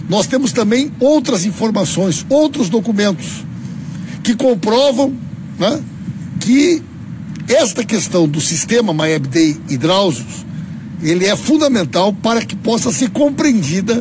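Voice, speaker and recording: Over noticeable background noise, a man with a high pitch speaks with long, frequent pauses. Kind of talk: press statement. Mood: serious, insistent. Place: street. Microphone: handheld.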